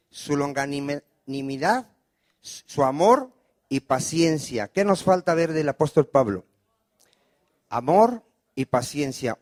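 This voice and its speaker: A man's voice: on the high side, darkish tone, dry recording. A man preaching a sermon as pastor, often asking the congregation questions and calling for amens. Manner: preaching with call-and-response questions.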